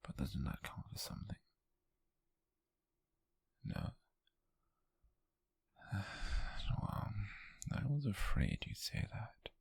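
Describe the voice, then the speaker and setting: A British man in an ASMR roleplay, playing an obsessive, possessive lovesick co-worker in a breathy, gravelly whisper, slow and intimate, close to the microphone. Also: deep voice, wildly swooping pitch, no room sound, heavily acted. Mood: wounded, resentful. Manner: slow, intimate, brooding, with heavy pauses. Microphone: close-up, dry microphone.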